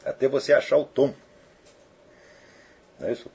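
A man's voice: medium pitch, normal speed, creaky, darkish tone, husky. A man giving an informal spoken lecture, answering listener questions and tagging his sentences with checking questions.

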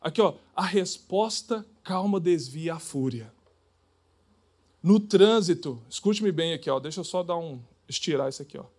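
A man preaching a sermon, lively and acting out everyday dialogues. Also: fairly high pitch, normal speed. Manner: animated, acts out dialogues.

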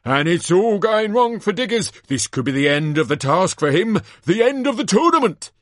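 Bombastic, swooping tournament announcer. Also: male voice, very animated, dry recording, studio quality. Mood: excited, dramatic. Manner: booming showman, drawn-out theatrical calls. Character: bombastic male sports announcer hyping a tournament.

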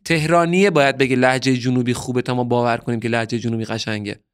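A man's voice: mid-range voice, steady tone, clear, resonant tone. A man from Bushehr in southern Iran, a musician guest on a podcast, talking casually in an earnest, opinionated way that turns heated at times.

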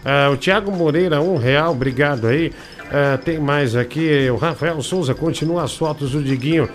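A man's voice: a little high, moderate pace, soft background music. A man hosting a casual comic live stream, mocking pictures and reading viewer messages aloud. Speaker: show host.

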